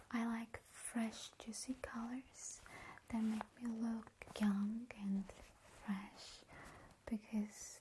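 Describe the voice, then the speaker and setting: A soft-spoken woman talks in a gentle tone. Light background noise sits behind her. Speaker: beauty vlogger. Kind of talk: casual makeup tutorial chat. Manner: soft-spoken, gentle, intimate ASMR voice. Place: home room.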